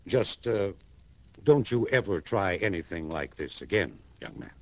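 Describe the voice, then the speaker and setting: A calm, fatherly psychiatrist. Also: low voice, vocal fry, background noise, exaggerated voice. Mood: explaining. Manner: measured, explanatory, fatherly. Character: calm, authoritative male psychiatrist, older. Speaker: doctor. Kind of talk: 1960s radio drama acting. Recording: dry vintage radio broadcast.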